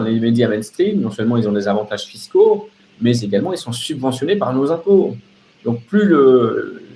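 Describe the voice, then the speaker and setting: A man's voice: mid-range voice, a little mellow, a little hiss or hum. A man delivering an off-the-cuff political rant as a live open-line host, sardonic and emphatic, repeating phrases and throwing out rhetorical questions.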